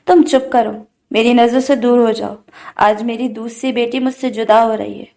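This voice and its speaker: A woman's voice: fairly high pitch, steady tone, a little mellow, lightly acted. Woman reading as a furious grieving mother. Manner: bitter, scolding.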